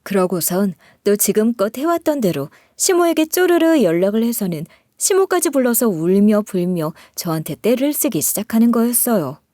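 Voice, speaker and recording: A woman's voice: medium pitch, sing-song, normal speed, hardly any pauses, mellow, dry recording, clean studio sound. A woman narrating a first-person story in an aggrieved, confiding way.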